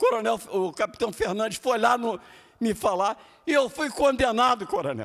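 Against a quiet background, a man with an extremely high pitch speaks at a fairly slow pace with ordinary pitch variation. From Rio de Janeiro, Brazil (Pavuna); Rio de Janeiro, Brazil. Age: 70s. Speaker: former military police officer, truck driver. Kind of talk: emotional public testimony at hearing. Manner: halting, stammering; emotional, pleading. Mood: aggrieved, emotional. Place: hall. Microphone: handheld.

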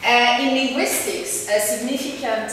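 A woman at a moderate pace with ordinary pitch variation, strong room echo and light background noise. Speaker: conference presenter. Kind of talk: academic lecture. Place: classroom.

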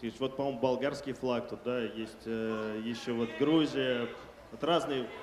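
A man at a very slow pace, with light background noise and audible room echo. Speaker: forum moderator. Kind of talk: event moderation. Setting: stage with audience. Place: hall. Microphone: handheld.

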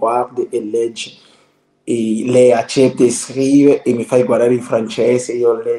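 Against a quiet background, a man with a non-native accent speaks at a fairly slow pace. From outside Italy. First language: not Italian (speaking Italian). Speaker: guest. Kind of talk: casual chat. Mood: amused, relaxed. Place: home room. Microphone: video call.

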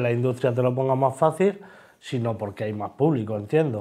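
This man's medium-pitched voice has a dark, mellow tone. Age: 40s. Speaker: interviewer. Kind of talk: interview. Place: studio. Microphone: lapel.

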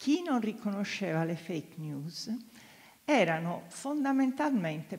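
A woman's voice with very wide pitch swings, at a fairly slow pace. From Sardinia, Cagliari. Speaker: university lecturer. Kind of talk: panel answer to student question. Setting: hall with live audience. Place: hall. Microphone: handheld.

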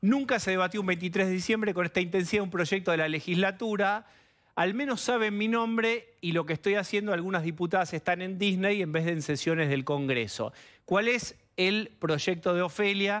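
High male voice in a Rioplatense accent, ordinary pitch variation, moderate pace. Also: quiet background. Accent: Argentine Rioplatense Spanish. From Argentina. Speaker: TV host. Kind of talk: TV interview. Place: studio. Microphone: headset.

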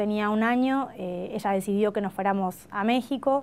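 Intonation is fairly even. The speaker talks at a fairly slow pace. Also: woman. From Argentina, Buenos Aires. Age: 30s. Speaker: sociologist and education program coordinator; interviewee. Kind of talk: testimony interview; interview answer. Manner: halting, many fillers. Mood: earnest, reflective. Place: studio.

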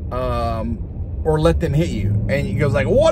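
Loud noise fills the background as the man talks. His voice is dry, without any echo. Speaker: vlogger. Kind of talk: casual vlog chat. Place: car. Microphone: phone near.

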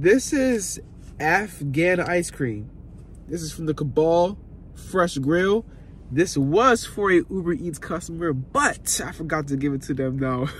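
At a fairly slow pace, a man speaks with lively intonation in a dry sound with no echo and light background noise. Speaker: delivery driver vlogger. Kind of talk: casual vlog chat. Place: car. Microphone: phone near.

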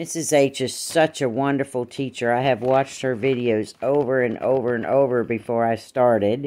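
A woman with a Southern US accent, a very deep, low pitch, and a dark, mellow tone, speaking at a fairly slow pace. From Florida. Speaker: homesteading vlogger. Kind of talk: casual vlog monologue. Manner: halting. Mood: warm, grateful, enthusiastic. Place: home room. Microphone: phone near.

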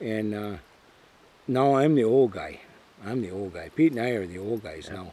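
A man with an Upper Peninsula Michigan accent speaks at a moderate pace with ordinary pitch variation, in a dry sound with no echo. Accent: Upper Midwest (Yooper). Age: 70s. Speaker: hunting camp owner. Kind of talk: documentary interview. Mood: nostalgic, earnest. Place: open country.

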